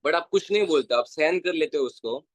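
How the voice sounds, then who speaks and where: A man's voice: fairly high pitch, expressive, a little fast, no echo. A young man telling a devotional story in an earnest way, repeating phrases for emphasis and mixing in English words. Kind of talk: Hindi devotional story talk.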